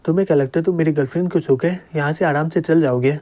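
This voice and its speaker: Guy doing a tough security chief, blustery n threatening, kinda high mellow voice. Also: fast talker, close to an everyday voice.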